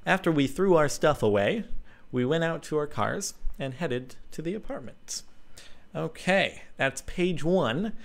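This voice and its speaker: A man's voice: on the high side, animated, measured pace, vocal fry. A young man hosting his channel, reading a fan story aloud with casual jokey asides and many ums. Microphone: desk mic at laptop.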